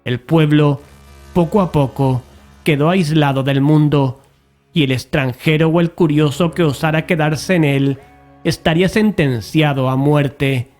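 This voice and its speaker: A man's voice: fairly high pitch, unhurried, darkish tone, faint music behind, close to an everyday voice. A man playing an investigator who chronicles sinister events, narrating an audio drama in a solemn, formal way. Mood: ominous.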